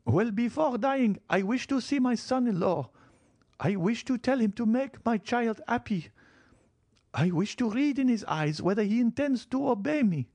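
A man's voice: extremely high pitch, animated, normal speed, darkish tone, dry recording, voice pushed up, full character voice. A man reading an audiobook, voicing a frail, commanding old marchioness who talks feverishly of death. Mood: imperious, feverish.

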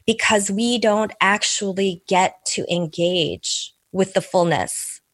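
A middle-aged Korean American woman whose first language was Korean, answering interview questions as an author in a thoughtful, measured way. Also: medium pitch, no room sound. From Korean American, immigrated as an infant. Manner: thoughtful, measured, with soft laughs and restarts. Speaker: author and podcast guest.

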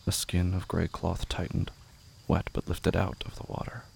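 A man reading scripted, literary narration for a horror audio drama in a measured, brooding way. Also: low-pitched, completely flat delivery, creaky, a little mellow, a little hiss or hum.

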